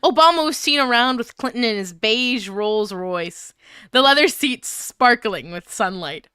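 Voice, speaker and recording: Female streamer, giggly reader-chatter, smooth clear tone, unhurried pace. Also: fairly high pitch, lively intonation, sharp tone, dry recording, studio quality. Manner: giggly, flustered, breaking up while reading. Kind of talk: live fanfiction reading with casual chat.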